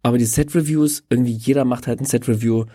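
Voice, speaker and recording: A man's voice: medium pitch, fairly even intonation, fast talker, mellow, breathy edge. A man co-hosting a podcast about a card game, casual and playful, laughing often. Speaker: podcast co-host.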